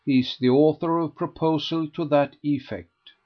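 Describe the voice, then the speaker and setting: A man voicing a regal, composed older society matron who speaks in measured, judicial, dry tones. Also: on the high side, fairly even intonation, muffled recording, voice pushed up, lightly acted.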